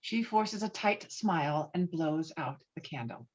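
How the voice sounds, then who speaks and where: A woman's voice: sits low, lively intonation, a little slow. A woman reading scripted stage directions as narrator at a table read, slightly muffled as on a video call.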